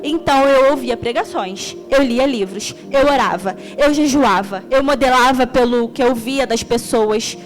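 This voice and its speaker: A young woman from Rio de Janeiro with a Carioca accent, preaching an extroverted, animated sermon as a church deaconess. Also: high voice, unhurried, few pauses, faint music behind. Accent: Carioca Portuguese. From Rio de Janeiro, Brazil. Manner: extroverted, animated storytelling with laughter.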